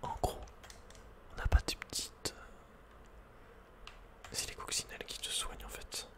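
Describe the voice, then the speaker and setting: A man whispering playful, casual ASMR commentary over a video game in a breathy, unvoiced voice, close to the microphone. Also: a little slow.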